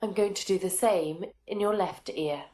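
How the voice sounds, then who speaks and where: A woman's voice: mid-range voice, normal speed, dark tone. A woman acting as a clinician, giving polite, simple step-by-step instructions to a patient. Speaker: clinician demonstrating an examination. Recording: echoey room.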